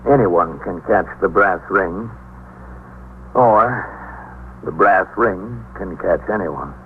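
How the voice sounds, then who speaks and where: An actor playing a male police captain who narrates his precinct's work in a 1950s radio drama, speaking in a measured, deliberate way. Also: sits low. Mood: calm. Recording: tinny lo-fi 1950s radio broadcast with faint hiss.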